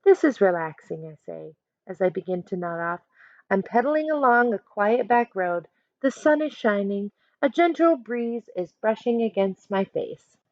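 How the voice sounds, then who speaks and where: A woman teacher reading a picture book aloud to children, expressive and instructive, breaking off to speak directly to her young listeners. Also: medium pitch, measured pace, no room sound, dull audio.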